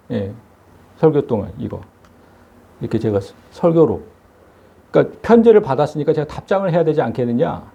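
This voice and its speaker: A man's voice: a little high, gravelly, mellow, husky, lo-fi sound. A man preaching a sermon as pastor, emphatic and full of rhetorical questions.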